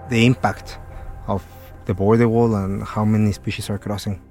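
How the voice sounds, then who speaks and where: A man's voice: lowish voice, flat delivery, normal speed, a little mellow, faint music behind. A man from Mexico with a strong Mexican accent, speaking hesitantly outdoors in a field interview. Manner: hesitant, with restarts and fillers. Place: outdoors at a border wall.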